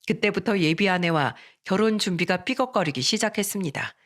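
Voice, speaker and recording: A man narrating a first-person story in a steady, plain reading manner. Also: high voice, brisk. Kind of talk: scripted narration of a reader's story.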